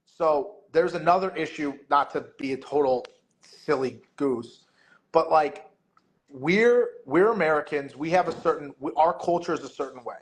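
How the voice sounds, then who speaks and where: A man with a fairly high voice speaks at a moderate pace as a guest on a podcast, where he is a meet director and MC. He talks casually and rambles, filling his speech with lots of filler words.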